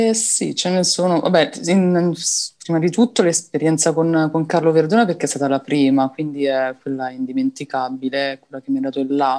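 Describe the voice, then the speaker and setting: Over a quiet background, a woman speaks at a fairly quick pace with a very deep, low pitch and a dark, mellow tone. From Italy, raised from age six after early years in Ethiopia. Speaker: actress; actress interviewed. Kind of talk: interview. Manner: halting. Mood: calm, reflective. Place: home room. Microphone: earbuds.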